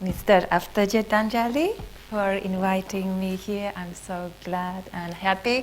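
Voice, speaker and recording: A woman's medium-pitched voice, fairly slow with fairly even intonation and big swings in loudness, over noticeable background noise. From Finland. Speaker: visual artist. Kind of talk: presentation. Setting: auditorium with audience. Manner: halting, many fillers.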